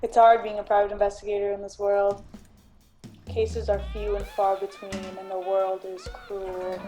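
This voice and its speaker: A brooding, self-important private eye played by a woman narrates a noir radio drama in deadpan style. The voice is soft-edged and stays on a narrow, level line, with light music behind it. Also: mid-range voice, normal speed, natural voice. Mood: brooding, self-assured. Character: hard-boiled, self-important private detective, former cop.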